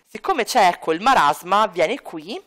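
A woman's voice: medium pitch, animated, a little slow, fairly bright tone. Chatty woman narrating a game. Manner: chatty, addresses viewers, puts on character voices. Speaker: gaming channel host. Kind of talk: casual let's play narration.

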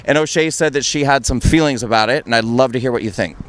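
A man's voice: medium pitch, fast. A man doing a conversational street interview on a city sidewalk, speaking earnestly and persuasively. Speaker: street interviewer, campaign activist. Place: outdoors on a busy city sidewalk. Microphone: handheld interview mic. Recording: noisy busy city street with traffic.

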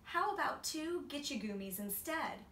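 A woman's voice: sits high, expressive, normal speed, a bit bright, distant mic, pitched above the performer's own voice. A woman voicing a dramatic little boy who pleads and bargains, as in a children's storybook. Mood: bargaining. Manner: protesting, bargaining, theatrical. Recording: roomy, off-mic, faint noise.

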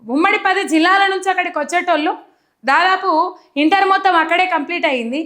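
A woman's voice: very high voice, fast talker, a bit bright. A young woman from Telangana with a Telangana Telugu accent, giving earnest, emphatic political commentary straight to camera. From Telangana, India.

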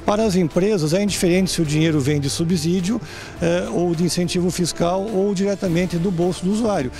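Calm man interviewed on the street. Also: sits high, brisk, creaky, faint music behind. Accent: Brazilian Portuguese, Amazonas. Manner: calm, explanatory. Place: outdoors on a street. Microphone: handheld press mic.

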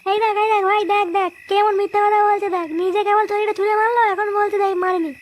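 A performer voicing an excitable, easily spooked young man in a comic cartoon, repeating short phrases. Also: extremely high pitch, quick pace, a little hiss or hum. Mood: bantering.

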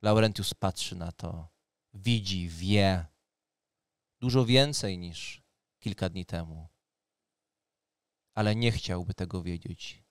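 A man's voice: low-pitched, slow, pauses often, smooth, no room sound. A man working as game master, narrating a tabletop roleplaying game in a dramatic storytelling manner. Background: music.

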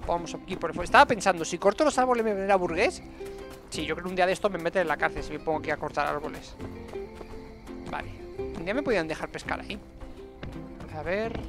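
A young man with a Castilian Spanish accent talks through a game in a chatty, playful way. His voice has plenty of fry and gravel in it. He speaks into a headset, with game music clearly behind him. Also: high voice, fast, pauses often. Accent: Spanish from Spain. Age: young adult. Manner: chatty, playful self-talk with diminutives. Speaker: video game streamer. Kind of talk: casual gameplay commentary. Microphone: headset microphone.

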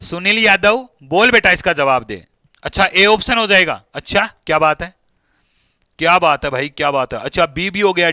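Lively bright-voiced teacher. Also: male voice, sits high, no room sound, studio quality. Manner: lively, coaxing, talks to students by name. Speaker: English exam teacher. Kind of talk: live online class.

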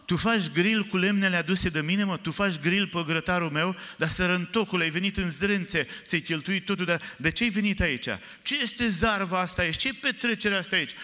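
Preacher doing a furious jealous older brother. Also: male voice, few pauses. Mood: indignant shouting. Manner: shouting, scolding, high-pitched outburst. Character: resentful older brother, shouting and indignant.

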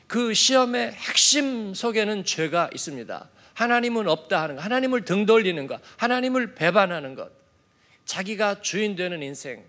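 Very animated and high-pitched, a pastor moves at a moderate pace through an early-morning sermon in church. The man keeps it conversational, dotting it with affirming fillers as he goes from soft asides to emphatic points.

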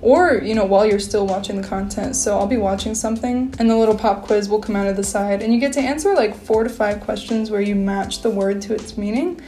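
A woman's voice: mid-range voice, fairly quick, hardly any pauses, soft background music. A young woman in her twenties vlogging casually from a bedroom, chatty and full of fillers, gesturing as she talks to the camera. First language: English. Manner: chatty, lots of fillers, animated hand gestures. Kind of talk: casual talking-head vlog. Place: small bedroom, indoors.

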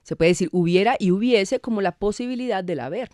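Speaking a little fast with a dark, medium-pitched voice, a Colombian woman guests on a radio show and patiently teaches spelling rules. The studio recording is dry, and she comes across as didactic, laughing readily.

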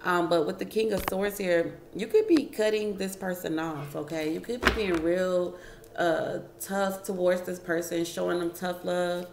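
A home tarot reading at a wooden table, delivered by a woman whose steady voice runs on the low side and unhurried. She talks casually with her "y'all" audience and muses about every card, while the reverberant space picks up background noise.

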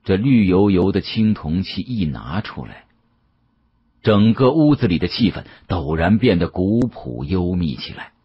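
A man narrating an audiobook as a dramatic storyteller, with an expressive, conversational delivery. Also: low voice, measured pace, husky, dull audio.

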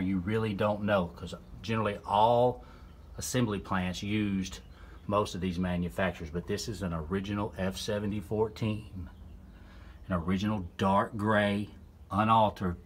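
A man, the channel's host, walks around a car in an old barn, explaining its details plainly and methodically while filming on a phone. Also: lowish voice. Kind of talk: walkaround narration while filming. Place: old open barn, indoors and out. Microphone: handheld phone camera.

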